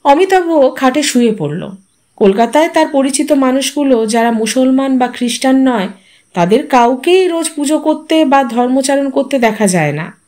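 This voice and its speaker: Expressive woman storyteller, lively pitch. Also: moderate pace. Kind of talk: scripted narration of a short story.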